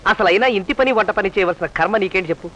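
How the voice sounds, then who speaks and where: An actor playing a rich, frustrated young husband who is teasing and exasperated, in a film comedy. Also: male voice, sits high, rapid-fire, bright, forceful tone, a little hiss or hum, low-quality recording. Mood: coaxing.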